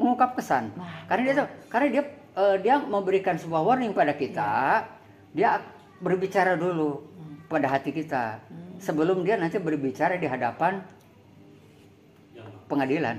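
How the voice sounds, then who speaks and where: Over noticeable background noise, a man with high pitch and very wide pitch swings talks at a fairly quick pace, leaving long, frequent pauses. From Sukabumi, West Java. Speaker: cultural figure, puppeteer. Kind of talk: interview answer.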